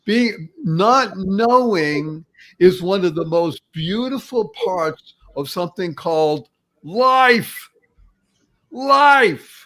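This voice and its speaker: Animated man in his seventies, podcast host. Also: high voice, drawn-out words, rough recording. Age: 70s. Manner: animated, laughs often, repeats words. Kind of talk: casual podcast conversation.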